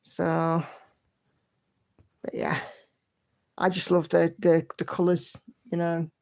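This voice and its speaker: A woman with a lowish, gravelly, slightly mellow voice speaks in a monotone and takes her time. As a livestream host, she chats encouragingly, reads out viewer comments, and hums to herself.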